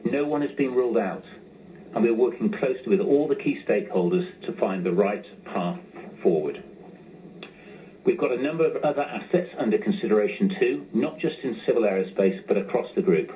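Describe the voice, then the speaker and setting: A man with a fairly low voice reads a scripted financial presentation as a company executive. His delivery is formal and measured, and the sound is narrow and phone-like with some noise. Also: animated. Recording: tinny phone-line sound with clear noise.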